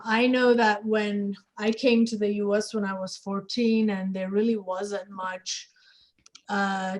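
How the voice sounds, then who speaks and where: A woman speaks as the moderator of a panel conversation. Her pace is very slow and measured, at a middling pitch, as she frames questions for guests. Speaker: interviewer and moderator.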